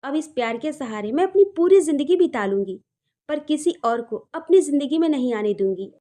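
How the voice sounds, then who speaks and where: Woman doing a tearful young woman, heartbroken, self-blaming, high and soft. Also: expressive, normal speed. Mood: resigned. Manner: pleading, questioning, rising pitch when upset.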